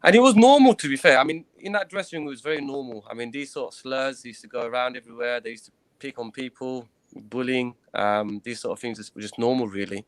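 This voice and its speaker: A man in his thirties, a guest in an interview, recounting his own experiences in an earnest, hesitant way, pausing and restarting often. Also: mid-range voice, dry recording, poor audio. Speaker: guest, former professional cricketer.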